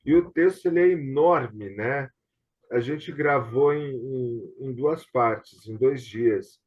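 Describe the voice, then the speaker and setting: Husky and medium in pitch, this Brazilian man takes his time as he hosts a casual online discussion. A theatre director, he explains matters and often asks tag questions to seek agreement, heard over dull, lo-fi video-call audio.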